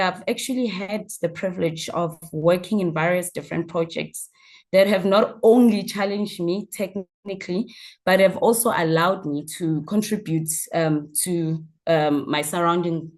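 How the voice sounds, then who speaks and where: A woman with a South African accent introducing herself as a guest speaker in an informal online talk, phrasing things haltingly with repeated words. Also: lowish voice. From Mpumalanga, South Africa. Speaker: guest speaker, mining entrepreneur. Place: online video call.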